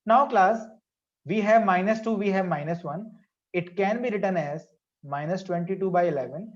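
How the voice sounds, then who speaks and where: Leading an interactive online maths class, a teacher with a South Asian accent repeats phrases and questions to draw pupils in. The voice is medium-pitched at normal speed, and the highs are cut off.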